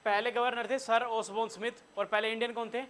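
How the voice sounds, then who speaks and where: A man with a Hindi accent teaching a room of students, his voice high and bright as he quizzes them on facts. He keeps firing questions and telling the class what to note down. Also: level tone, a little fast. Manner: quizzes students and has them take notes. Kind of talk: classroom lecture.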